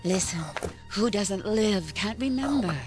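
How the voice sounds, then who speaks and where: A woman's voice: medium pitch, expressive, unhurried, music in the background, close to an everyday voice. A woman playing a vengeful, fanatical sister in a horror video game, commanding, taunting and theatrical. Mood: bitter rage. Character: vengeful, fanatical sister, menacing and manipulative villain. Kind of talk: dramatic horror game acting.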